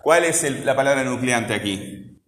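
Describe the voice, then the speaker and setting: A man's voice: mid-range voice, expressive, normal speed, fairly bright tone. A man teaching a grammar lesson, coaxing students along with constant check-in questions. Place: classroom. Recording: roomy classroom echo, faint ambient noise.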